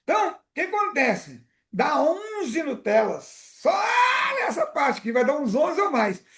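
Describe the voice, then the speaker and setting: Brief: Brazilian male coach, lively swooping delivery, repeats himself as he explains, laughs often. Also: very high voice, unhurried. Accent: Brazilian Portuguese. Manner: animated, repetitive explaining, frequent laughs. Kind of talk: live coaching session. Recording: roomy echo.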